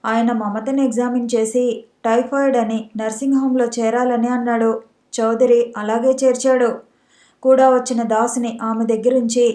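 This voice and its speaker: A woman's voice: on the high side, mellow. A woman narrating an audiobook story steadily and evenly, in a roomy echo.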